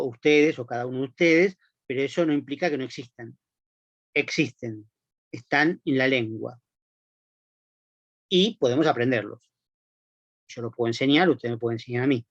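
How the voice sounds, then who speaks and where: A male teacher lectures at a mid-range pitch, working through ideas step by step and checking in with tag questions. He often restarts a phrase mid-thought. The sound is muffled and lo-fi, with a close, dry feel. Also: moderate pace, long pauses, dry recording. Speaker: university teacher.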